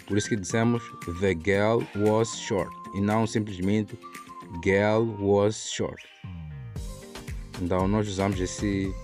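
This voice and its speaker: Patient low-voiced teacher. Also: male voice, a little mellow. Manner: patient, slows down for English examples. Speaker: English teacher. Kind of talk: online language lesson. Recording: faint background music.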